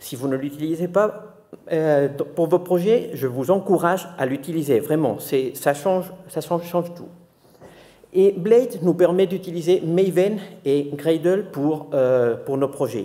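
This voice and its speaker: The delivery is very slow. It comes with a non-native accent. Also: man. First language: not French (speaking French). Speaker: software developer presenting at a conference. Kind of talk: conference talk. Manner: halting.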